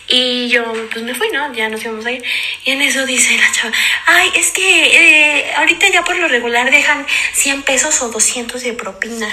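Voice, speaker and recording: A Mexican woman in her twenties, telling a story in casual chat, animated and dramatic, acting out what people said. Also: a little high. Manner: animated, dramatic retelling with acted-out quotes. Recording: echoey room.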